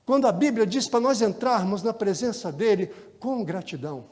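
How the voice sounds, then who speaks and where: Brief: male pastor, high voice, animated storytelling sermon, long church reverb. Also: normal speed. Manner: animated, talks directly to the congregation. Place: church sanctuary.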